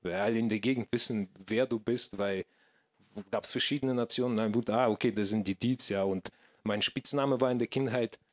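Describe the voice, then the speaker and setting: Male panel guest, 30s, Russian accent, halting speech, handheld mic on stage. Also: on the low side, steady tone. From former Soviet Union. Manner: hesitant, searching for words, many restarts. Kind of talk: panel discussion. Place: stage in a small theater, indoors. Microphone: handheld microphone.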